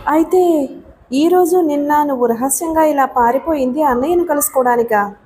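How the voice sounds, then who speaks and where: A woman reading an audiobook voices a gentle, timid young woman who speaks softly. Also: sits high, normal speed, slight background noise, voice pushed up, lightly acted. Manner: soft-spoken.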